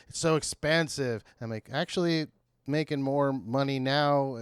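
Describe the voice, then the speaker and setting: A man with an American accent talks in a plain, everyday voice at medium pitch, with fairly even intonation. The recording is very clean with a silent background and a dry, close sound with no echo. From New Jersey and Miami. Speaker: podcast host. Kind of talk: casual chat.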